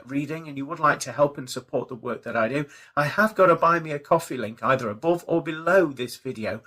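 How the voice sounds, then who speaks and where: A man hosting a spiritual radio show, talking in a measured, reassuring way as he gives guidance and addresses his listeners. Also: a little high, a bit bright. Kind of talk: spiritual forecast and show sign-off, semi-improvised talk.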